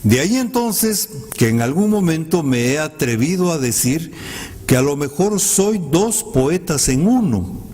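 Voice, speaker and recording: A man whose first language is a Mayan language, giving a thoughtful talk to an audience in a library as a guest poet. He speaks in a measured way, with polite asides and some hesitant pauses. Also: fairly high pitch, very animated, a little mellow. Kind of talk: reflective commented poetry talk. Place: public library hall. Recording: reverberant hall sound.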